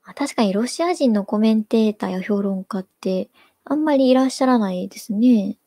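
A woman hosting a casual live stream, politely reading out viewer comments in a soft-spoken way. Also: on the high side, lively intonation, brisk, dry recording, studio quality.

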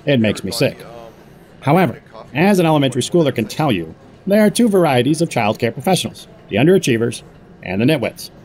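A man's voice: medium pitch, big pitch swings, brisk, a little mellow, lightly acted. A man playing a smug, corrupt corporate executive delivering a pompous, sardonic monologue in an audio drama. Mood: contemptuous, smug.

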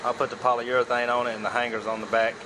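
Man, hobby woodworker, rambling and self-deprecating, phone-recorded outdoors over loud air-conditioner hum. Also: mid-range voice, flat delivery, fast. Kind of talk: casual workshop narration.

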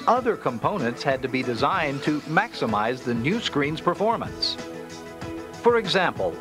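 A middle-aged American man presenting a scripted industrial film in a polished, promotional manner. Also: fairly high pitch. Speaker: corporate video presenter. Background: background music.

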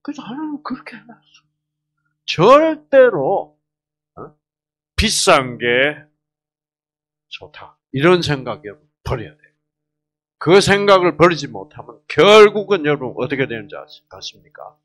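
A man's voice: on the high side, big pitch swings, normal speed, fairly bright tone, slight background noise. A man giving a health lecture to a live audience, quizzing the listeners with questions and jokingly slipping into regional dialects.

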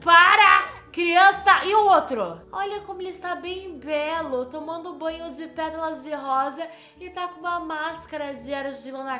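A woman narrates her gameplay in a high, bright voice. She is excitable, scolding and chatting with the characters on screen. The room around her is roomy, with game music underneath. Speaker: gameplay host. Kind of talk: casual gameplay commentary.

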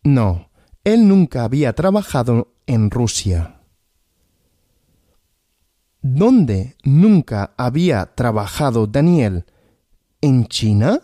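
Male language-podcast host, slow question-and-answer teaching, animated pitch, dry studio sound. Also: dry recording. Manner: asks questions and answers them himself, repeating.

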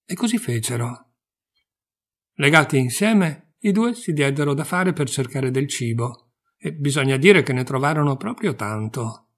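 A man reading fables aloud in a calm, measured storytelling manner. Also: mid-range voice. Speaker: reader of fables. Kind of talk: audiobook fable narration.

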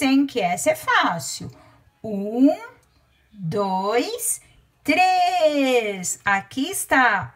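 A woman teacher from Brazil with a Brazilian Portuguese accent, dictating a word lesson to small children. Her voice sits high and sounds bright, and she speaks very slowly, counting out loud and drawing each word out.

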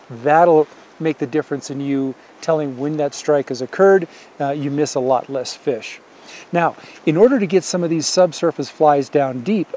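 A man's voice: on the high side, dark tone, a little hiss or hum. An older man, a fly fishing instructor, patiently explaining gear to the camera at an outdoor table by a river. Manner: plain, patient, hands-on explaining with fillers.

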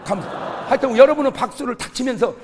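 A man with a high, lively voice preaches a comic revival sermon to his congregation. He tells stories in a storyteller's way and acts out the voices of the people in them. His voice carries a long reverb from the church hall, over a faint room hum. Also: fast talker. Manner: animated storytelling, acting out quoted voices; shouting punchlines to the congregation. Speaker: pastor.

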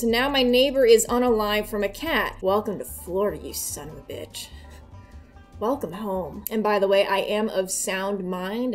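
A woman in her twenties with a slightly high voice talks as a reaction host. She is sardonic and sweary, slipping between mock-dramatic reading and casual commentary. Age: 20s. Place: small bedroom, indoors.

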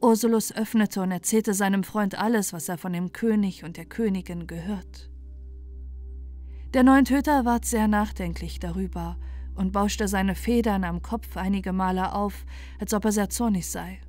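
A woman's voice: medium pitch, moderate pace, a little mellow. A woman narrating a fairy tale as a bedtime storyteller. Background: music.

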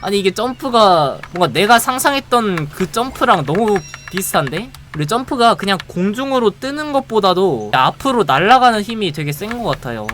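Excitable gamer with a lively pitch. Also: slight background noise. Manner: excitable, playful, quick reactions and laughter. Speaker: game streamer. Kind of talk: live gameplay commentary.

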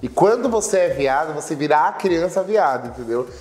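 Brisk and fairly high-pitched, this man in his twenties from Salvador, Bahia, Brazil, speaks with a strong Bahian Portuguese accent. An internet personality appearing as a guest in a casual interview, he tells stories animatedly and gestures with his hands. The setting is an indoor studio room with a sofa, and the room sounds echoey.

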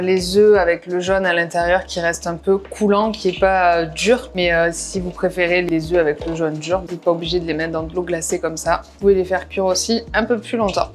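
A woman walking through a recipe step by step in a casual cooking voice-over, with practical asides. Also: mid-range voice. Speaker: cooking vlogger. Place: home kitchen.

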